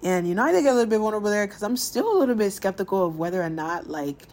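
A woman in her twenties, originally from Ghana, telling her life story in a casual, animated podcast monologue. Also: racing. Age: 20s. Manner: animated storytelling, laughs often, voices others' lines in higher pitch. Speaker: podcast host.

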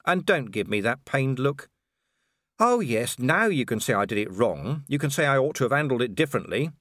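Brief: male narrator as an angry, worn-out watch commander, audiobook; raised, lively, clipped delivery. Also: mid-range voice, moderate pace, no room sound, clean studio sound, pitched above the performer's own voice. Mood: bitter, angry. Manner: growling, bitter, raised and forceful. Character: grim, furious middle-aged male city watch commander. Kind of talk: audiobook character reading.

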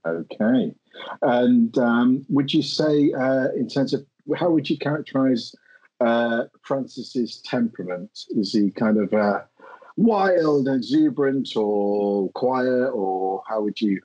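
A man's voice: medium pitch, expressive, takes it slowly, warm tone, lo-fi sound. A man running a tabletop game as game master, hesitant and full of ums as he sets the scene. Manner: hesitant, many ums and uhs.

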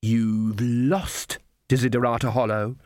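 A man's voice: medium pitch, flat delivery, darkish tone, no echo, studio quality, lightly acted. Man voicing an imperious mirror woman. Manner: imperious, slow, gloating. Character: cold commanding woman in a mirror.

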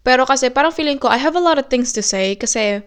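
A woman's voice: high-pitched, lively intonation, very fast, smooth. A young woman with a Filipino accent hosting a casual solo podcast, chatting and switching between Tagalog and English, a little nervous, recorded on a phone in her bedroom. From Philippines. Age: young adult. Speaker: podcast host.

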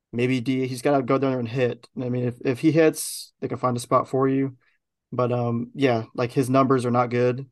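A man hosting a podcast, chatting casually about a baseball team's week, talking loosely with lots of ums and restarts. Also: medium pitch. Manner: relaxed, rambling with many fillers. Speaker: podcast host. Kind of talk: casual sports chat.

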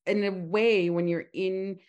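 A woman co-hosting a casual podcast, talking in a loud, lively way. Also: mid-range voice, unhurried, clean tone, muffled recording. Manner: loud and lively, says she has a loud voice. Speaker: podcast co-host, esthetician.

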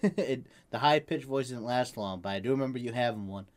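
A man's voice: medium pitch, a little fast. A young man in casual chat, teasing his friends and laughing often.

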